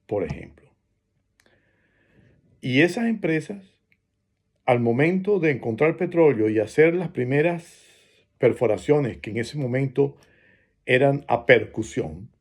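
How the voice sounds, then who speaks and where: A man from Venezuela with a Venezuelan Spanish accent, giving a reflective spoken essay and pausing often between phrases. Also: mid-range voice, a little mellow, slightly rough.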